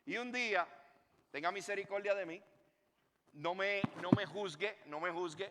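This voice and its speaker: A man, a pastor preaching a sermon and telling a story with lively swings in his voice. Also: high voice, normal speed, long reverb tail, very noisy. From Puerto Rico.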